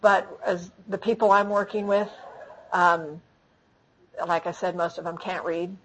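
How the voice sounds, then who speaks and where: A woman speaking to an audience in a conversational talk, answering questions, lively and full of restarts. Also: lowish voice, unhurried, dull audio, a little hiss or hum. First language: English. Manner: animated, frequent restarts. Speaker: speaker training storytellers.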